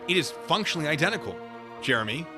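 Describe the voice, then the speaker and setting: Over music, a man hosting a livestream chats casually with his viewers, debating in a theatrical, emphatic, exasperated way. His voice is a little high and sing-song, and he talks at a quick pace.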